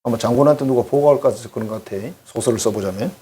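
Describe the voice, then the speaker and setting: A man's voice: medium pitch, very fast, husky. A male pastor preaching a conversational sermon, talking straight to the congregation and acting out voices. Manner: animated, addresses congregation directly, acts out quoted voices.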